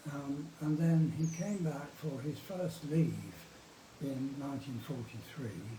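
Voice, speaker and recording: A man's somewhat breathy voice with a dark, mellow tone, ordinary pitch variation, a very slow pace and audible room echo. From England, London. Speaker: elderly resident interviewed. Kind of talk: life story interview. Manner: halting, with fillers.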